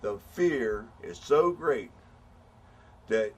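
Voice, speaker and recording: A man's voice: medium pitch, big pitch swings, extremely slow, husky. A middle-aged American man making an impassioned spoken appeal, blunt and angry, pleading and repeating himself with many restarts. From United States. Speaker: patient advocate.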